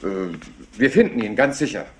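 An actor playing a polite, slyly persistent police inspector in a German crime radio play, hesitant and deceptively casual. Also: male voice, fairly low pitch, very animated, moderate pace, a little mellow, a little hiss or hum. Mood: reassuring.

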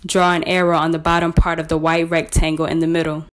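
A woman presenting a scripted step-by-step software tutorial in a measured, instructional way. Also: sits low, completely flat delivery, soft background music.

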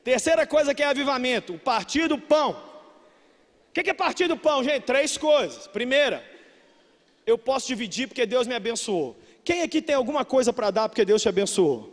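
A Brazilian pastor with a Brazilian Portuguese accent and an unusually high voice preaches a sermon. He talks emphatically, rising into shouts and sinking back to near-quiet. His voice rings out with the long reverb of a large hall. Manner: emphatic preaching, bursting into shouts then dropping low.

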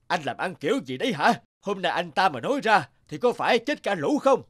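A voice actor playing an exclamatory market character in an animated folk-tale dub. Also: medium pitch, fairly quick. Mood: scolding.

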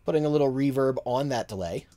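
Loud music plays under a fast-talking man in his thirties with a medium-pitched voice. He's in his home studio giving a casual screen-share tutorial on mixing, thinking aloud with fillers in a relaxed way as he works.

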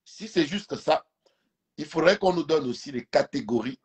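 A man's voice: fairly high pitch, expressive, moderate pace. A man from Gabon whose first language is Fang, talking emphatically on a phone video call while lying on a couch, often repeating words as he searches for them. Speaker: live stream guest. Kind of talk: casual debate over a video call. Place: indoors, lying on a couch at home. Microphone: phone camera held close.

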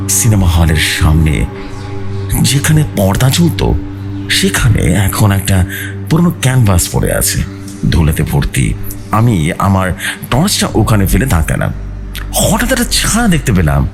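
A man's voice: deep voice, huge pitch swings, unhurried, creaky, long pauses. A man reading a scripted horror story aloud in a suspenseful, theatrical way. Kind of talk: dramatic scripted horror narration, read aloud. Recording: music bed behind the voice.

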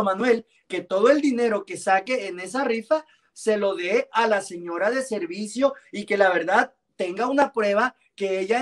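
A man hosting a celebrity gossip show from home on a video call, animated and teasing, scattering endearments through his commentary. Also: sits high, far from the mic. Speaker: entertainment gossip host.

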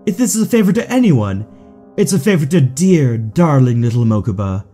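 A man acts out a smug, aristocratic audio drama villain with a mellow tone. His pitch swoops theatrically as he taunts and condescends, with music playing underneath. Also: very animated, normal speed. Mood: gloating, sweetly cruel. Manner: mocking, drawling, condescending.

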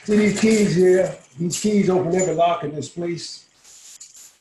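A weary old bar owner, roomy sound. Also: male voice, high voice, unhurried, warm tone. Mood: wry, emphatic. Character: dying, world-weary old bar owner, rough, salty, fond. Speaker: actor reading a monologue. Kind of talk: dramatic monologue, intimate storytelling. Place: small room at home, indoors. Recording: roomy home webcam audio, faint hiss.

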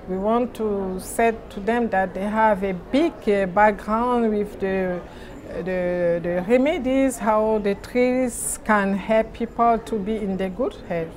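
A middle-aged woman with a Cameroonian accent answers interview questions haltingly, searching for words. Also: mid-range voice, darkish tone. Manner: halting, searching for words in non-native English. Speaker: interviewee, NGO president. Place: large indoor conference venue lobby.

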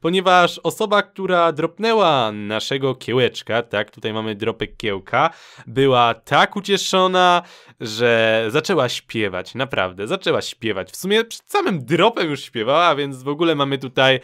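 A man's voice: medium pitch, sing-song, moderate pace, fairly bright tone. A man casually commenting on gaming clips in a chatty, slangy, playfully teasing way. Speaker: host narrating a gaming clip compilation.

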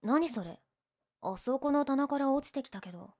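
Tsundere girl next door done by a young woman, bratty, emotive, kinda high voice, romance audio drama. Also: lively intonation, moderate pace, a little mellow. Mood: teasing. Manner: bratty teasing, flustered, emotive. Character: tsundere girl, childhood friend, teasing, prickly, secretly lovestruck.

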